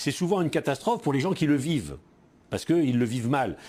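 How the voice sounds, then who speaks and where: At a very fast pace, a man talks in a fairly high voice with very wide pitch swings. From France, Paris suburbs (Sarcelles). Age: 60s. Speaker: former politician. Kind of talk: TV interview. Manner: hesitant, repeats words.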